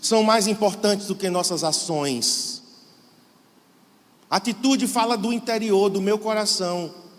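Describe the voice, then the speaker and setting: Over noticeable background noise, a man with a high pitch and lively intonation speaks at a fairly slow pace. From Brazil. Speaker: pastor. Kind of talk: sermon.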